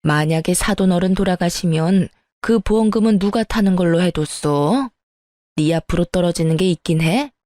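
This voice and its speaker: A woman voicing a greedy, scheming older mother-in-law in a read-aloud story, with a slow, condescending drawl. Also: lowish voice, darkish tone, no room sound, clean studio sound, lightly acted.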